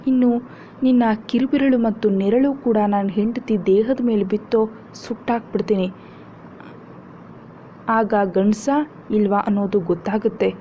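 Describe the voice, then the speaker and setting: A woman's voice: medium pitch, natural voice. A woman voicing a protective, devoted young husband who speaks firmly, on a dull lo-fi recording with faint hiss. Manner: firm and scolding, then soft and tender.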